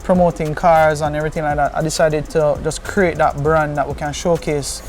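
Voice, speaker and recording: Male interview guest, Jamaican accent, higher-pitched, casual patois-tinged chat over faint music. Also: little pitch movement, moderate pace. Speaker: interview guest, car content creator.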